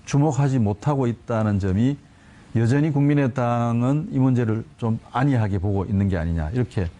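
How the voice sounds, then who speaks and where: A man commenting on politics as an academic panelist, measured and emphatic, pausing on drawn-out fillers. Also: mid-range voice, dark tone.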